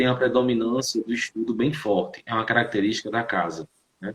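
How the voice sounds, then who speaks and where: A man talks at a fairly quick pace. He has a strong northeastern Brazilian accent. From Brazil, Paraíba (Campina Grande). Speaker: spiritist medium. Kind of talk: live stream interview.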